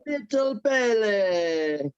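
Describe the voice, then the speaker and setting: A man acts out a merry village elder in his fifties for a film script read. His voice sits fairly high for a man and swings widely in pitch, with a playful, welcoming manner. The sound is close and dry but slightly dull. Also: big pitch swings, drawn-out words, clean tone, no room sound, exaggerated voice. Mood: warmly welcoming.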